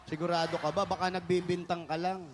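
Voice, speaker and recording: A high-pitched man hosts a live variety show. He jokes and teases as he questions the guest, with faint background noise. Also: little pitch movement, brisk. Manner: teasing, joking.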